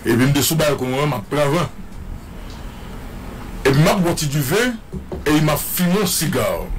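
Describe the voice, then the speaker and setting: A man's voice: on the high side, lively intonation, normal speed, background noise. A man with a Haitian French accent giving a dramatic, repetitive eyewitness account, imitating the sounds he heard. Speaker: guest commentator.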